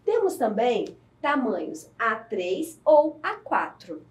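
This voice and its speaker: A woman teacher giving a recorded lesson to adult learners, explaining slowly and clearly. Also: fairly high pitch, big pitch swings. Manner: slow, clear, deliberate explaining.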